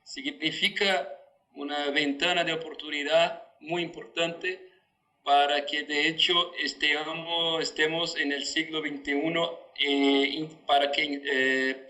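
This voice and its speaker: Brazilian guy in a formal interview, portuguese native doing portuñol, hesitant, really bright forceful voice. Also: on the high side, little pitch movement, rough recording. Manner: mixes Spanish with Portuguese (portuñol); halting, searching for words. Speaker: telecom regulator, interview guest.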